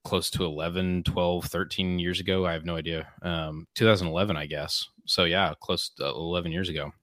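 A man co-hosting a casual podcast, talking in a halting way with many fillers and restarts. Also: low voice, fairly even intonation, a bit bright, dry recording, studio quality. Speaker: podcast co-host. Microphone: podcast microphone.

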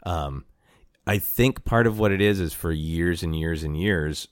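A man with a deep voice hosts a casual podcast. He is wry and playful in an easy conversational way. The sound is dry and close. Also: unhurried, dry recording. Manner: chuckles often, wry and playful. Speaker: podcast host.

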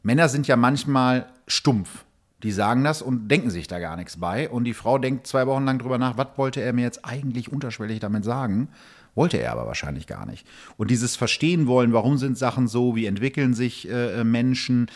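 A man with a medium-pitched voice talks as a guest in a relaxed podcast conversation. He explains in colloquial, storytelling fashion and slips into short imagined quotes. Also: fairly quick. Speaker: podcast guest, true crime author. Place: indoors at a table in a home.

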